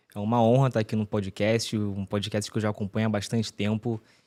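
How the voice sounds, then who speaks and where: Speaking in a strong Rio de Janeiro accent, a man of medium pitch talks at a fairly quick pace with monotone, flat intonation, in a dry, close sound with no echo on a very clean recording with a silent background. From Rio de Janeiro, Brazil. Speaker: real estate lawyer. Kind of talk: podcast interview.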